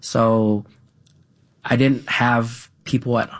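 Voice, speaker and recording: A man who grew up speaking Vietnamese at home, talking as an interview guest in a halting way, with many fillers and an added "right?". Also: mid-range voice, level tone. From United States. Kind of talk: casual conversational interview.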